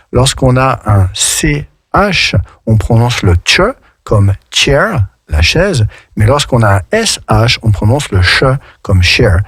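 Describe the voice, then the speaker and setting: A man with a French accent explains English words at an easy, unhurried pace, spelling them out letter by letter. His voice sits in a middle register. The studio sound is close and dry. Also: mid-range voice, fairly bright tone, slightly rough, no room sound. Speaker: English teacher on radio. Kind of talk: radio English lesson, explaining song lyrics. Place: radio studio.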